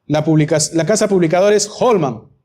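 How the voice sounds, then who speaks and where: A man's voice: on the high side, fairly quick, a little mellow. A man preaching a Bible-teaching sermon, emphatic and full of rhetorical questions.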